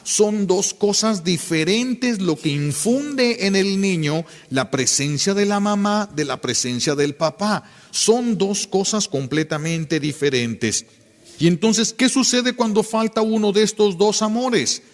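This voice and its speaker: A man's voice: high-pitched, expressive, a little slow, long reverb tail. A man, a priest giving an emphatic sermon and repeating key phrases for weight.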